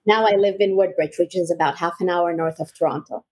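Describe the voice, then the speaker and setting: A young adult woman from Egypt, a real estate broker talking casually as an interview guest, warm and quick to laugh. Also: fairly low pitch, fairly even intonation, slightly rough.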